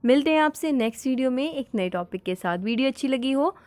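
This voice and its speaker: A woman teaches everyday English phrases and explains each one patiently. Her voice sits a little high, and she repeats every phrase slowly. The close recording is dry, with almost no room sound. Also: expressive, darkish tone, dry recording. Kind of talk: spoken English lesson.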